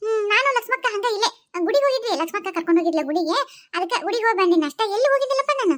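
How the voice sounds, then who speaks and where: A woman puts on a cartoonish character voice with lively intonation. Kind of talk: comic overacting. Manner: chatty, playful, dramatic.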